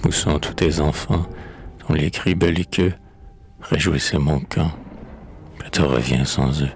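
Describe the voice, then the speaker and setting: A man's voice: a bass voice, unhurried, soft background music. A man reading a dramatic poem, voicing a proud, despairing old king in a grave, declamatory recitation. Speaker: poetry reader.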